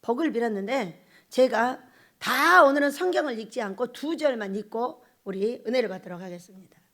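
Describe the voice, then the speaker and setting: A woman pastor preaching a sermon in an emphatic, animated way, repeating lines and acting out quotes. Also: sits high.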